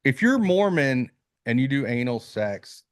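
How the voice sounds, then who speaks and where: A man's voice: mid-range voice, very animated, a little slow. A man co-hosting a podcast, joking loosely in crude casual banter with lots of fillers. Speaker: podcast co-host.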